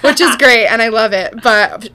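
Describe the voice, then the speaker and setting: A woman in her thirties co-hosting a casual podcast, animated and quick to laugh, swearing freely as she chats. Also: on the high side. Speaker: podcast co-host. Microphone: headphones on.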